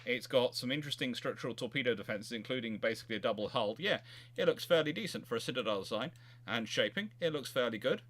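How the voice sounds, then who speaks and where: A man's voice: medium pitch, animated, fast talker, fairly bright tone. A man hosting a history live chat, talking casually and technically, often repeating words and restarting his phrases.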